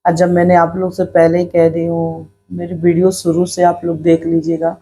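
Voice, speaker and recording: Middle-aged woman vlogger, earnest personal talk, flat and dark-toned delivery. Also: lowish voice, normal speed. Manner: earnest, reflective, repeats herself while speaking her mind. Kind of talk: personal vlog talk to camera.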